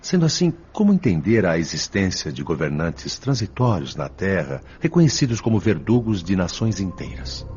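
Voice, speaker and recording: An actor playing a respectful but insistent spirit pupil in a radio drama, speaking formally and deferentially. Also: male voice, low-pitched, very animated, moderate pace, hardly any pauses, darkish tone, muffled recording, a little hiss or hum. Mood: respectfully insistent. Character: respectful, insistent male spirit pupil questioning his mentor.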